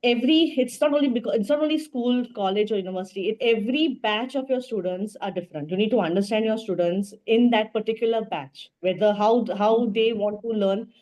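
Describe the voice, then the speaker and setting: A woman's voice: on the high side, a little fast, hardly any pauses, mellow, low-quality recording. A woman from Goa with a Goan Indian English accent, answering as a teacher in an interview, often repeating and rephrasing her words. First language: Portuguese and Konkani. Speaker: language teacher, interview guest.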